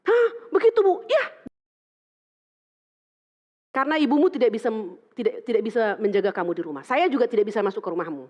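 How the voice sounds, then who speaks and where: A middle-aged woman pastor from Indonesia, preaching through lively stories and acting out the dialogue in quoted voices. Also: mid-range voice, fairly quick, long pauses. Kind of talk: sermon with storytelling. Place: church hall. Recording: dull sound with long church reverb.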